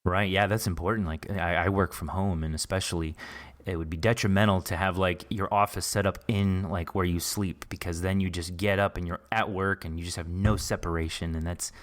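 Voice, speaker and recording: A man's voice: low-pitched, fairly even intonation, fairly quick. A man hosting a podcast in a conversational interview style, chatty, with hesitant, repeated phrasing. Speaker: podcast host.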